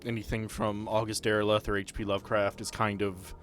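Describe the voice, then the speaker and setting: Briskly and in a fairly low, fairly flat voice, a man runs a tabletop session as game master, chatting through the narration and rules over background music.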